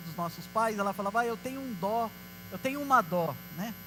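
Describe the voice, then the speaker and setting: With a raised, projected voice, a man speaks at a high pitch and a moderate pace, his pitch varying in an ordinary way. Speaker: pastor. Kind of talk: sermon.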